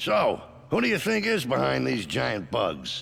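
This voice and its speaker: A man puts on a raspy character voice at a moderate pace. Light background noise sits behind him. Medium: cartoon. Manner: dry, suspicious.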